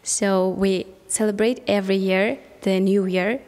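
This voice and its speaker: Flat-toned woman explaining. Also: mid-range voice, unhurried. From Kyrgyzstan. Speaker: interviewee. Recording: long reverb.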